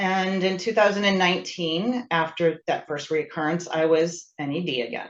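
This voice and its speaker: A woman with a plain, everyday voice speaks at a medium pitch and a fairly slow pace. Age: 60s. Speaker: cancer patient panelist. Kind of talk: personal testimony.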